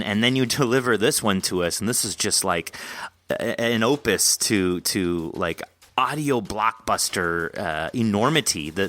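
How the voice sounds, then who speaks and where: Male interviewer, effusive and rambling, conversational, with a forceful, fairly low voice. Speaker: podcast host.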